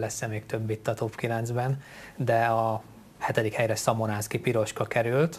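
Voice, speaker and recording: The voice is somewhat breathy and the pace fairly slow, with light background noise. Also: man. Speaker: sports show host. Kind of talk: sports talk show. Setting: studio. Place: studio. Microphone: lapel.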